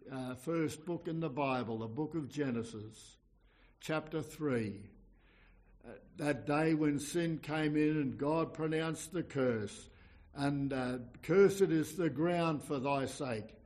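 A man's voice: on the high side, slow, a little mellow. A man preaching an evangelical sermon in an earnest, exhorting manner, often repeating phrases and posing questions.

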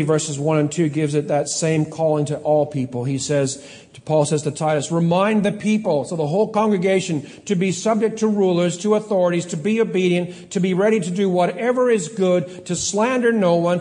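A middle-aged man from Canada preaching a sermon as pastor, earnest, reading scripture slowly and with emphasis, sometimes correcting himself. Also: a little high, mellow. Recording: long hall reverb.

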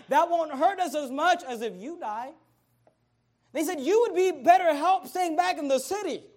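A young adult man preaching a sermon as pastor, emphatic and repetitive, driving his points home. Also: extremely high pitch.

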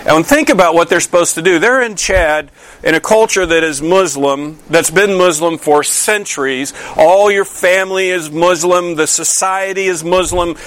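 A man's voice: high-pitched, moderate pace, fairly bright tone. A male pastor delivering a conversational sermon, asking his listeners many questions and often restarting his sentences. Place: church.

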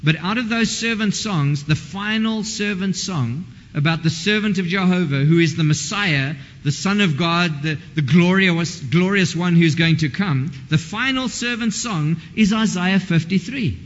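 A fairly high-voiced man preaching in a church, chatty and informal, stopping himself mid-thought and picking the thread back up. His voice carries a long hall reverb, and the recording sounds dull and lo-fi. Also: a little slow, few pauses. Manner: conversational, self-interrupting and informal. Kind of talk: sermon.

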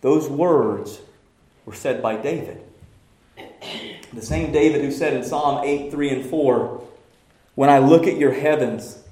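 A man preaching a sermon as pastor, swinging from shouted passion to hushed, near-whispered lines. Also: mid-range voice, slow pace, pauses often, reverberant. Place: church sanctuary.

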